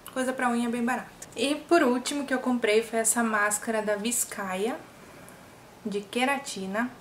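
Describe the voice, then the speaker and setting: A young woman with a slightly high voice chats to the camera in a small room full of makeup, upbeat and talkative. She shows off her purchases in a relaxed, friendly way. A faint room hiss sits behind her. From Brazil. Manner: chatty and upbeat, showing products. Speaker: beauty vlogger. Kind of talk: casual haul chat to camera.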